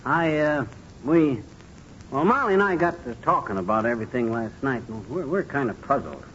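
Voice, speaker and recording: A man's voice: mid-range voice, slight background noise, lightly acted. A man playing a blustering boastful husband. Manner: excitable, blustering, quick to flare up. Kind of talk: 1940s radio comedy acting. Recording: dull old radio broadcast recording.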